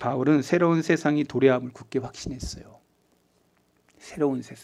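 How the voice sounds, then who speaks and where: A man speaks with a fairly high pitch. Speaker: pastor. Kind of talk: sermon. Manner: conversational, switches to casual speech.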